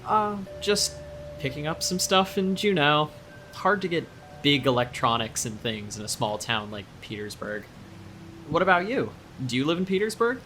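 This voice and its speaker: A woman playing a casual, blunt small-town local in an audio drama, speaking in a halting, animated way. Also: sits low, a little hiss or hum. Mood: friendly, tentative. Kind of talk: audio drama, naturalistic dialogue.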